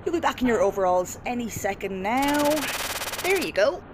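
An actress playing a dry, matter-of-fact time police officer in a comedy audio drama, explaining things plainly. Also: female voice, on the high side, very animated, moderate pace, background noise.

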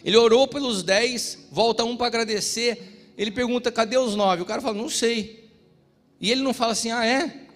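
High-voiced Brazilian pastor preaching in a reverberant hall. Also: male voice, brisk. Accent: Brazilian Portuguese. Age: middle-aged. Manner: impassioned, shifts between loud exhortation and quiet storytelling. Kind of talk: sermon with personal stories. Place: church. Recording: reverberant church hall with music.

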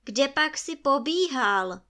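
A woman's voice: sits high, expressive, bright, forceful tone, pitched above the performer's own voice. A woman voicing a grumpy older woodcutter who scolds his son angrily. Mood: scolding. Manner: angry, scolding.

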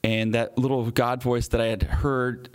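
A man in his thirties recounts a personal story in an interview. He talks earnestly at a medium pitch. He acts out what people said, with lively jumps in his voice. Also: unhurried, smooth. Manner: earnest, animated retelling with acted-out quotes. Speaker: police officer.

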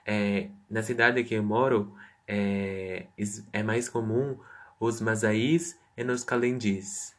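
A man's voice: fairly low pitch, fairly even intonation, slow. A man answering interview questions as a guest, reading prepared answers with stumbling restarts.

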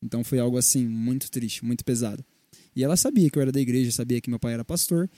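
A man's voice: mid-range voice, fast talker, no room sound. A young man with a Brazilian Portuguese accent, telling personal faith stories in a casual Christian podcast chat and acting out the quoted dialogue. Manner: animated storyteller, acts out quoted dialogue. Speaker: podcast co-host.

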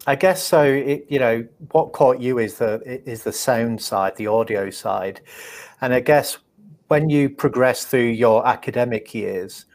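A man's voice: medium pitch, a little slow, a little mellow. A man hosting a podcast, asking his guest easygoing, tentative questions. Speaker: podcast host. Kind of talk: interview hosting.

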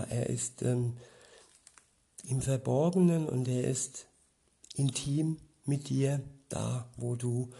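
Unhurried male preacher, dark husky voice, reflective and hesitant delivery. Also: medium pitch. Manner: slow, reflective, with frequent hesitations. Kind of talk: informal Bible teaching.

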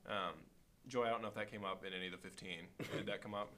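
A man's voice: fairly low pitch, fairly even intonation, quick pace, sharp tone. A man in his twenties in casual podcast conversation, speaking in a wry, teasing and emphatic way. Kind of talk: casual chat.

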